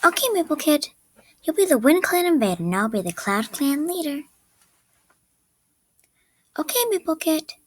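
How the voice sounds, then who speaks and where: A woman's voice: sits high, sing-song, normal speed, long pauses, dry recording, voice pushed up. A woman voicing a childlike young kitten from a cartoon cat clan, reading animation audition lines. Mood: playful. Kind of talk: animation audition line reads.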